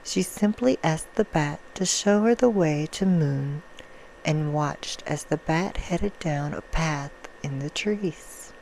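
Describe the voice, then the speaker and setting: A woman playing a vampire who reads a bedtime story in a hushed, soothing ASMR roleplay style. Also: low voice, slow pace, gravelly, slight background noise, heavily acted, low-quality recording. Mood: soft, storytelling. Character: female vampire reading a soft bedtime story.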